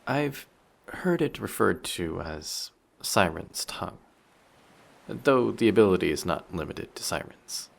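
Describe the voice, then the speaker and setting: A man voicing a flirty, possessive sea monster in human guise for an intimate roleplay audio drama, measured and politely menacing. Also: sits low, lively intonation, creaky, full character voice. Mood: teasing, pondering.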